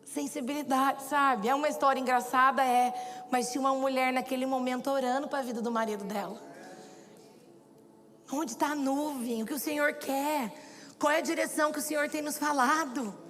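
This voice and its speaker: A woman's voice: high voice, steady tone, moderate pace. A woman preacher giving a sermon, telling stories and acting out the dialogue with animation. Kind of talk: sermon with storytelling. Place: church hall. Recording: long hall reverb with soft background music.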